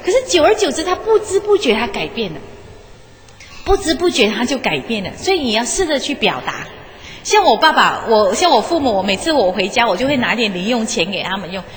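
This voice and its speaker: A woman's voice: a little high, very animated, fairly quick. A woman, a former teacher, giving a live motivational talk in a chatty, coaxing way and often asking the audience questions. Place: lecture hall. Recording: echoey hall, faint background noise.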